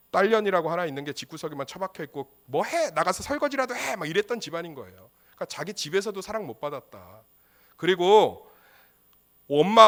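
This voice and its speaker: Brief: male pastor, emphatic humorous sermon, slightly high voice with a very lively pitch. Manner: emphatic, humorous, rhetorical questions.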